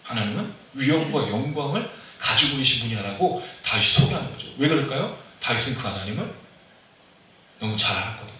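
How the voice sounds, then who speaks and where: Male pastor, sermon, animated and questioning, bright voice, very echoey hall. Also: mid-range voice, a little fast, a little hiss or hum. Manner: conversational, asks the congregation questions, animated. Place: church sanctuary. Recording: very echoey hall, mic at a distance.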